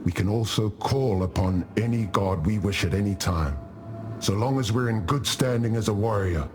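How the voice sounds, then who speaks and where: A man's voice: fairly low pitch, moderate pace, natural voice. An actor playing a boisterous, boastful tribal warrior spirit restored to his prime in a video game, with a jovial, teasing storytelling manner. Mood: wry, musing. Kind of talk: video game character dialogue. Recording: music under the voice.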